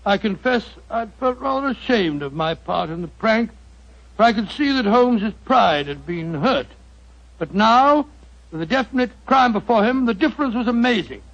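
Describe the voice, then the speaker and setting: An actor playing Doctor Watson, a hearty, loyal companion, in a 1940s radio drama. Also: male voice, sits high, animated, normal speed, a bit bright, exaggerated voice. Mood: narrating. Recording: muffled old radio broadcast.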